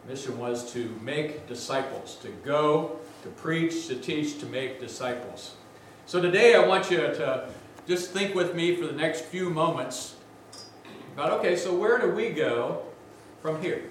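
A man's voice: a little high, measured pace, slight background noise. Big-voiced man preaching in an echoing church. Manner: energetic, conversational preaching with asides. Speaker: guest preacher. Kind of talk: sermon. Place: large church sanctuary. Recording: very echoey church from a distance.

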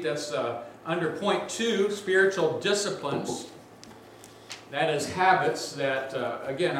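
Preaching a sermon as a guest, a man with a big, slightly high voice addresses the congregation energetically and conversationally, adding asides. He's recorded at a distance in a large, very reverberant church sanctuary, with a faint room hum behind him.

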